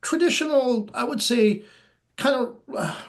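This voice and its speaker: Nasal high-voiced musician guest. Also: male voice, a little slow. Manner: rambling, eager, many fillers. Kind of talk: casual interview chat.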